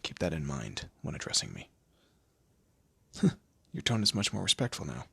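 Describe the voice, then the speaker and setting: A man performs a smug male demon lord for an audio roleplay. His low voice is husky and swoops with theatrical condescension. He is proud and teasing, as if torment were office work. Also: huge pitch swings, normal speed, pushed and bright, dry recording, heavily acted. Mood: haughty, commanding. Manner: theatrical, condescending, drawling, with amused asides. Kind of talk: scripted audio roleplay addressed to the listener.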